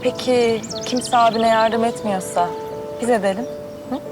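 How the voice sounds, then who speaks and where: A woman's voice: fairly high pitch, steady tone, measured pace, natural voice. An actress playing a scheming young woman who coaxes others with honeyed, friendly words. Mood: coaxing. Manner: honeyed, coaxing. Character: scheming young woman, sweet-talking manipulator. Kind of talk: TV drama acting. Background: music.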